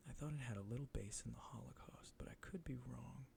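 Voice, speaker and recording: Someone is whispering at a moderate pace. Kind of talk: ASMR book triggers, casual talk to camera with tapping. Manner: soft-spoken, whispered.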